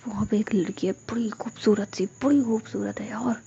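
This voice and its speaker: A woman's voice: medium pitch, fairly even intonation, moderate pace, gravelly, muffled recording, background noise, lightly acted. A woman voicing a playful young woman in love, with a dramatic, sulky way of talking.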